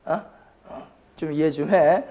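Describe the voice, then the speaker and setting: A male science teacher gives a lecture in a notably high voice. His throat sounds sore and strained. He speaks bluntly and informally, steering the explanation with frequent questions to his students. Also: slow, mellow. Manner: question-and-answer delivery, repeatedly prompting students. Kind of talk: high school chemistry lecture.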